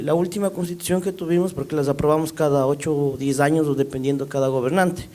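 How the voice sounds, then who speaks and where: A man's voice: high-pitched, a little mellow. A man from Ecuador asking a question from the audience at a university panel, earnest and emphatic. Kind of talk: public Q&A question. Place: university lecture hall.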